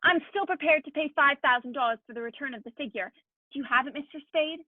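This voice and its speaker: Radio play villain, played by a woman: courteous, stilted, quietly threatening, high pitch, narrow telephone-like sound. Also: fast, no echo, lightly acted. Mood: wary, bargaining. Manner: formal, stilted, over-polite menace. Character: polite, shifty, menacing Greek man with pistol. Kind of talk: film noir radio play acting. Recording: thin, phone-like band-limited sound.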